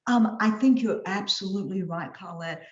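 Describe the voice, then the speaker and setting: A woman's voice: medium pitch, normal speed, a little mellow. A woman guest expert on an online panel, answering in an agreeable, explanatory way. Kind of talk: panel discussion. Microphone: video call. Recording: roomy, dull video call audio.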